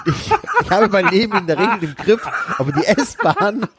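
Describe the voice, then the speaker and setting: A man's voice: high voice, normal speed, background noise. A man in his thirties chatting on a podcast, telling about his commute and teasing a friend with laughter. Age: 30s. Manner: animated, laughing while teasing. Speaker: podcast co-host. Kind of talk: casual chat.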